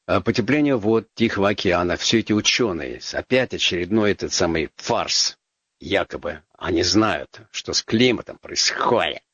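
A man's voice: low voice, expressive, moderate pace, fairly bright tone, breathy edge, no echo, muffled recording. A man hosting a call-in radio talk show, chatting casually with ironic asides and plenty of filler words. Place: radio studio.

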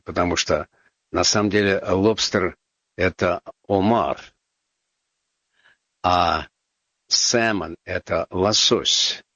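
Deep-voiced wry radio host, man. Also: a bit bright, no room sound, lo-fi sound. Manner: ironic, wry asides with frequent fillers. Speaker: radio talk show host. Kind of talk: casual call-in radio talk. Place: radio studio.

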